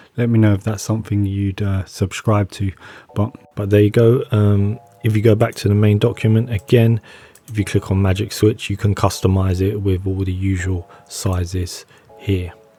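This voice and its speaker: Here a man talks at a moderate pace in a fairly low, somewhat breathy voice with a dark, mellow tone. His intonation is monotone and flat. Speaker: software tutorial creator. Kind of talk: tutorial.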